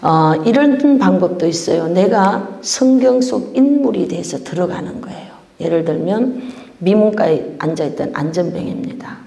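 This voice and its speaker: Woman pastor, lively teaching sermon, acts out prayers, gravelly voice, echoey hall. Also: on the low side, moderate pace. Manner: animated, acts out prayers and dialogues, laughs often. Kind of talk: teaching sermon on Bible reading.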